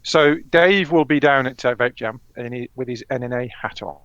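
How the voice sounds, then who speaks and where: A man's voice: mid-range voice, normal speed, a bit bright, no room sound. A man hosting a live-stream show, chatting casually and rambling with many ums. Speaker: host. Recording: dull lo-fi dry sound.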